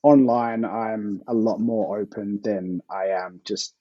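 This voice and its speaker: Aussie guy chatting about his book, low-ish voice, lots of ums, kinda muffled audio. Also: takes it slowly, dry recording. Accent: Australian. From Australia. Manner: relaxed, hesitant with fillers and restarts. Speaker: author guest. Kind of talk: casual interview chat.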